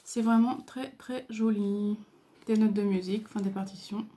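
A woman hosting a casual craft video, talking hesitantly with many fillers and pauses as she admires what she shows. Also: medium pitch, fairly even intonation. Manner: admiring, soft-spoken. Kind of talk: casual show-and-tell.

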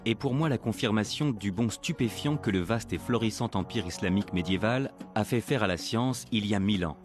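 A man narrating a documentary as its presenter, in a measured, earnest storytelling manner. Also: fairly low pitch. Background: background music.

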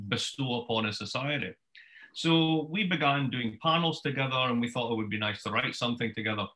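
A Scottish man in his fifties speaks with a bright, forceful tone. He tells his story in a brisk, wry way, like a lecturer talking from his home study. The sound comes through a webcam on a video call. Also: medium pitch, poor audio. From Scotland. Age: 50s. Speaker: author giving a book talk. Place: home study with bookshelves, indoors.

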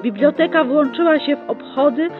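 A woman narrating a library chronicle in a brisk, upbeat old-newsreel announcer manner. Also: high-pitched, phone-quality sound. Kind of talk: mock 1960s newsreel narration. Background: plucked guitar music.

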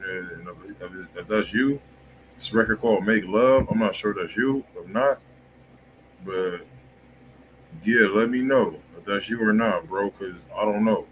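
A low-pitched American man talks in loose, slangy style as a livestream host. He sounds casual and informal, recorded in a room with faint background noise. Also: measured pace. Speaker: music review show host. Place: indoor room at home, on a livestream. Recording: noisy room webcam stream.

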